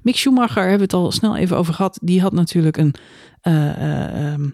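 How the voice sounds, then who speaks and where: A playful co-host chats about motor racing with a teasing edge and easy laughs. The voice sits mid-range in pitch. The recording is close and dry. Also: brisk, darkish tone, dry recording. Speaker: podcast co-host. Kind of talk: casual Formula 1 chat.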